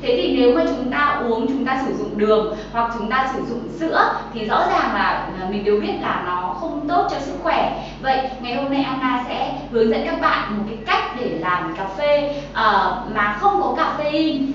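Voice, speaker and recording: A woman's voice: high voice, animated, normal speed, few pauses, recorded from a distance, muffled recording, noisy background. Young woman, echoey kitchen studio. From Vietnam. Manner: chatty, many filler sounds, addresses viewers directly. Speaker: healthy-recipe presenter. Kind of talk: cooking and nutrition tutorial. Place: bright kitchen studio set, indoors.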